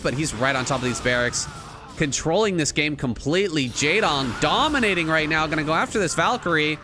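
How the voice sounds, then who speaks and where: Male caster, hoarse and excitable play-by-play, mid-pitched voice, clear game music underneath. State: losing his voice. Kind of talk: solo esports commentary.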